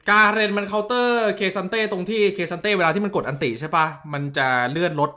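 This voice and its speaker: A male streamer talks through a match in loose, blunt commentary and throws in crude slang. His voice sits a little high and sounds bright and forceful. He stops to answer viewer messages as they come in. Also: fast. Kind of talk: casual esports watch-along commentary.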